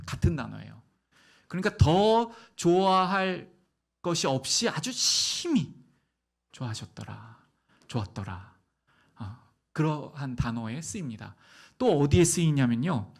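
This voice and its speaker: A middle-aged male pastor preaching a sermon, asking the congregation rhetorical questions and swinging between soft, quiet phrases and loud, emphatic ones. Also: fairly high pitch.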